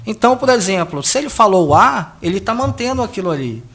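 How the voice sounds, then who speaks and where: A man's voice: high voice, sing-song, a little fast, a bit bright, husky. A man with a Brazilian Portuguese accent, a political analyst, explaining polling methods at length with frequent restarts. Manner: explains at length, with many restarts and tag questions. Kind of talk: explanatory interview answers.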